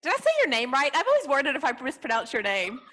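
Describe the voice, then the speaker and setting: A woman hosting a casual video call chat with teachers, friendly and quick to laugh. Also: sits high, wildly swooping pitch, bright, forceful tone. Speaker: host and ESL interviewer.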